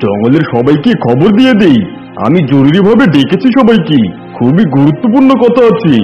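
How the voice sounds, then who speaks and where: A man's voice: fairly high pitch, sing-song, normal speed, lo-fi sound, soft background music. Blustering scheming tiger king, acted by a man. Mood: commanding, sly. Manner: blustering, bossy. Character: scheming, boastful, hungry tiger king of the jungle. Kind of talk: animated fable character acting.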